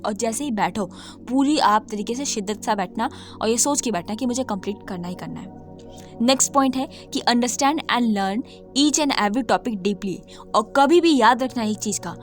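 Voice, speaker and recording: Woman tutor with a slightly hoarse throat, emphatic and repetitive, over soft background music. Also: a little high. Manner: emphatic, repeats points, mixes English terms into speech. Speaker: coding tutor. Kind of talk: casual talk-to-camera lesson.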